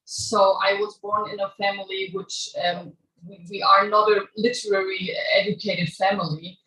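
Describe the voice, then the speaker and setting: A woman with a German accent introducing herself at a public reading, halting, restarting often and laughing as she talks. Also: mid-range voice, flat delivery, bright, forceful tone. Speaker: guest writer giving a reading. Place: small venue before a live audience. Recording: echoey room, voice from far off.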